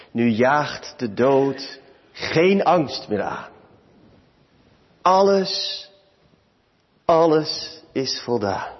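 A man's voice: medium pitch, husky. A male pastor preaching a sermon to his congregation in short, emphatic phrases. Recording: long reverb, dull lo-fi sound.

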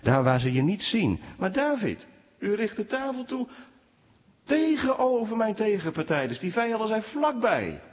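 A man preaching a sermon to his congregation, speaking with animated swings in pitch. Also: moderate pace. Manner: animated preaching, rising pitch when quoting complaints. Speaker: pastor. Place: church. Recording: dull sound with long church reverb.

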